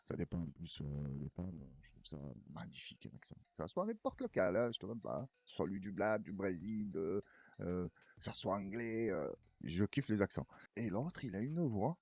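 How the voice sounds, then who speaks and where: Male host, husky and low, loose rambling reaction talk. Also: big pitch swings, normal speed, a little mellow, no room sound. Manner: rambling, chatty, laughs often. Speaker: news commentary host. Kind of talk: casual reaction commentary.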